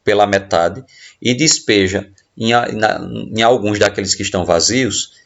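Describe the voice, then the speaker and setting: A man's voice: on the low side, moderate pace, fairly bright tone. A man with a Brazilian Portuguese accent, a teacher walking students through riddles patiently, often checking they follow along. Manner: patient, explanatory, frequent tag questions. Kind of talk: recorded lesson explaining riddles. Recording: dull lo-fi audio.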